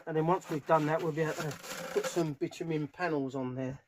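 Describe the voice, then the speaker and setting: A middle-aged man, a DIY speaker restorer presenting a how-to video, thinks aloud while working with his hands, giving informal hands-on commentary. His voice is a little high and a little fast, with fairly even intonation. He's in a small, cluttered indoor workshop, and the clear recording carries background noise and clicks of handling.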